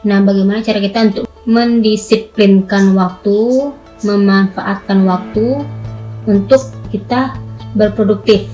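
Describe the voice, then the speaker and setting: A woman's voice: mid-range voice, fairly even intonation, measured pace, long pauses, warm tone, soft background music, poor audio. A woman in her twenties, a homemaker, speaking casually in an interview testimonial. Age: 20s.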